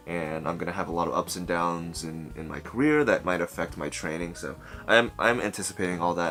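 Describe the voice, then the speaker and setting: A man in his twenties answering viewer questions in a casual vlog, talking thoughtfully and correcting himself as he goes, seated close to the camera in a small bedroom. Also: low-pitched. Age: 20s. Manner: thoughtful, self-correcting, expressive hand gestures. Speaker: vlogger. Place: small bedroom at night, indoors. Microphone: camera mic, seated close to camera.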